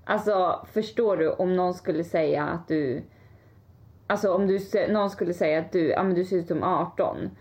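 A woman's voice: on the low side, darkish tone. A woman in casual chat, giving her opinions in a down-to-earth way. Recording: dull lo-fi sound.

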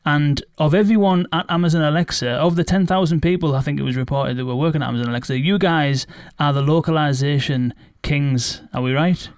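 Chatty british guy hosting a podcast, higher voice, dead dry sound. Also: brisk, hardly any pauses, no room sound. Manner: chatty, playful, upbeat. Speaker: podcast host. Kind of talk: casual interview chat.

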